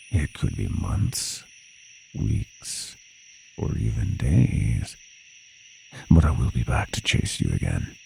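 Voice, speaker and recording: Very deep, gravelly predatory monster. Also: male voice, darkish tone, a little hiss or hum, exaggerated voice, low-quality recording. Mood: ominous. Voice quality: gravelly, breathy, often whispering. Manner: slow, taunting, menacing, savoring. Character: sadistic, playful predatory clawed monster hunting humans. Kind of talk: horror ASMR roleplay.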